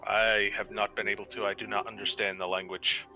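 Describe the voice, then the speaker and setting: A man's voice: fairly low pitch, little pitch movement, a little fast, rough recording. A man playing a tabletop horror game, talking mostly in character in formal, stiff phrasing. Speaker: player voicing a formal investigator. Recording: music playing underneath.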